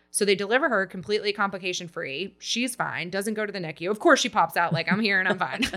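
Talking very fast with hardly any pauses, a woman uses a medium pitch, a bright, sharp tone and ordinary pitch variation. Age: 30s. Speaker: chronic illness patient. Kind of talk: casual chat; testimony.

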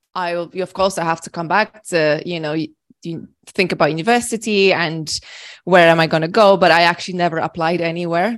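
A fairly low, fairly even woman's voice with a Polish accent on a very clean recording with a silent background. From Poland. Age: 30s. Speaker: marketing director and dance studio founder. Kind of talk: casual interview chat.

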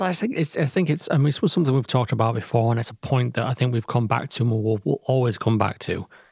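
At a very fast pace with hardly any pauses, a man speaks at a medium pitch with ordinary pitch variation, a somewhat breathy voice and very even loudness, in a dry, close sound with no echo. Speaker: podcast co-host. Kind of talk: casual chat. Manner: joking, animated.

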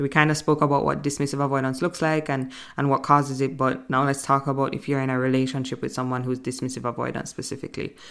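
A woman speaks at a very fast pace with hardly any pauses, her pitch very deep and low and her intonation monotone and flat. The recording is very clean, with a silent background. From Jamaica. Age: 30s. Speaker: self-help podcast host. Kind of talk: personal monologue on psychology.

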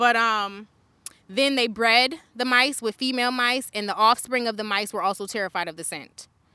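A woman's fairly high, bright, sharp voice with an American accent, at a moderate pace with ordinary pitch variation. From South Carolina, Gullah Geechee community. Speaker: historical interpreter and graduate student. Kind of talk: interview. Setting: outdoors in a park.

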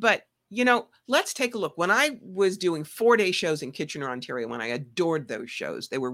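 A woman with an American accent, fairly quick pace and very wide pitch swings. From New York. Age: 60s. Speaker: psychic medium and tarot reader. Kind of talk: interview. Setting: video call.

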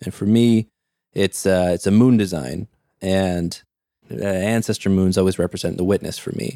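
A plain, everyday voice from a man, fairly low in pitch, at a moderate pace with fairly even intonation, in a dry, close sound with no echo. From Dene nation, northern Canada. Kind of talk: interview. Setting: studio.

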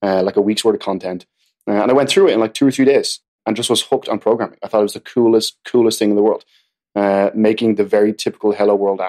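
In a very fast rush, a man with an Irish accent talks on a very clean recording with a silent background and a dry, close sound with no echo. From Ireland. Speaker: startup founder, software CEO. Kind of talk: interview conversation. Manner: enthusiastic, animated.

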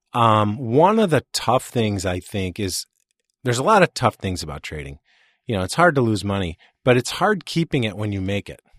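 A man with a Chicago accent speaks at a moderate pace and fairly low pitch, his pitch swinging very widely and his loudness shifting a lot, on a very clean recording with a silent background. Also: dry, close sound with no echo. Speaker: podcast host, former floor trader. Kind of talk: interview.

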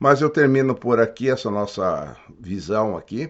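A man with a Brazilian accent talks at a medium pitch. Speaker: coach and mentor trainer. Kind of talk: radio talk lecture on self-development. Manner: halting.

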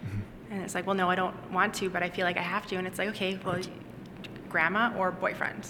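Noticeable background noise and audible room echo surround a woman's voice. She speaks very fast at a medium pitch, monotone and flat. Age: 30s. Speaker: wedding planner. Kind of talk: casual chat.

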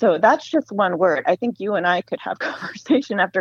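An unremarkable speaking voice from a woman with an American accent, medium in pitch, fairly quick, with lively intonation and a dry, close sound with no echo. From US West Coast, San Francisco Bay Area. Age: 50s. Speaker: adoptee sharing her story. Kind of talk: casual interview. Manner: reflective, with pauses.

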